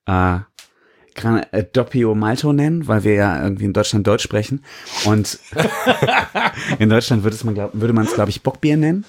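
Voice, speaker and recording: A man's voice: fairly low pitch, expressive, normal speed. A man co-hosting a podcast, describing and tasting beer in a rambling, self-mocking way with lots of fillers. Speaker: podcast co-host. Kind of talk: casual beer-tasting chat.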